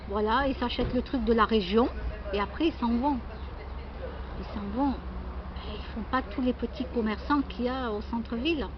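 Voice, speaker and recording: A woman from France chatting casually and at length as a vlogger, exclamatory and self-deprecating, often repeating herself. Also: a little high. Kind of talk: casual rambling chat. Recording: muffled lo-fi sound, loud background noise.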